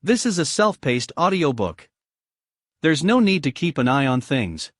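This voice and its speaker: A man's voice: on the high side, big pitch swings, unhurried, dry recording, studio quality. A man with a Greek accent narrating a self-help audiobook, reading expressively and asking the listener many questions.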